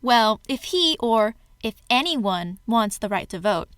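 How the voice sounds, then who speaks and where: A woman's voice: on the high side, expressive, a little slow, a bit bright, no echo, clean studio sound. A woman playing a suspicious, melodramatic young volunteer in an amateur theater skit, emphatic and theatrical. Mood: suspicious, insistent.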